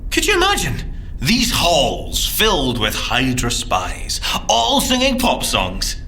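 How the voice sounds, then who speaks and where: A man's voice: on the high side, slow pace, gravelly, a little hiss or hum, heavily acted. A man playing an eager, dreamy young scientist agent with a Scottish accent in an audio drama. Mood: triumphant, amused. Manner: animated, boyishly enthusiastic. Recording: echoey, music bed underneath.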